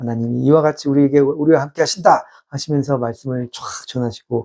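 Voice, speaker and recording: Talking very fast, a man has a fairly high pitch and a dark, mellow tone. His intonation stays fairly even while his loudness swings widely. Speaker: religious channel host with theology doctorate. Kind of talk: religious talk.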